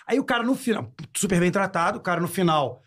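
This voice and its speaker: A man's voice: high-pitched, fast talker. A man with a Brazilian accent telling casual stories on a podcast, swearing freely and acting out the people in them. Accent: Brazilian Portuguese. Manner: animated anecdotes, swearing, acts out voices. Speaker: podcast host and motorsport commentator. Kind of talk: casual storytelling chat.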